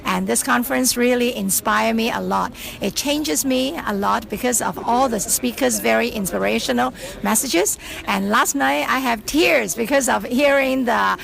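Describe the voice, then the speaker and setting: Woman from hong kong, excited, earnest, very gravelly, fairly high. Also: normal speed, hardly any pauses. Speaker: convention attendee.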